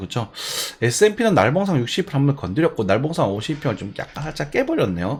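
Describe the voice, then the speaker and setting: Speaking at a fairly quick pace, a man sounds somewhat breathy as his pitch swings very widely. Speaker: market analyst. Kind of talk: market commentary. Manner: slurred articulation; hesitant, many fillers.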